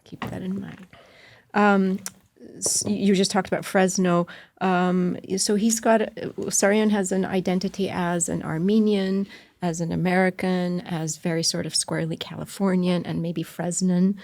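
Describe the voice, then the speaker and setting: Creaky, low-pitched woman interviewer. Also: flat delivery, measured pace, darkish tone. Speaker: interviewer, university provost. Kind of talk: conversational interviewing.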